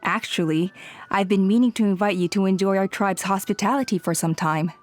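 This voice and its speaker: A woman's voice: medium pitch, a little fast, close to an everyday voice. A woman playing a dutiful, composed female tribal elder in an anime-style video game, formal and polite. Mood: gracious. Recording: music playing behind the voice.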